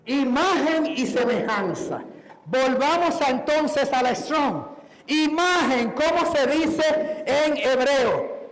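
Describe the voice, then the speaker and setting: A man preaching a sermon, emphatic, repeating key words and putting questions to the congregation. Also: extremely high pitch. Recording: echoey hall.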